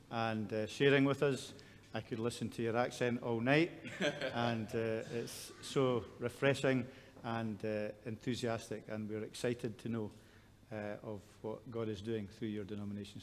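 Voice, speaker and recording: A man's voice: medium pitch, a little hiss or hum. Man chairing an assembly in a reverberant hall. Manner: warm thanks with many filler pauses. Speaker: assembly moderator. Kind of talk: formal chairing of a meeting. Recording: reverberant hall with faint ambience.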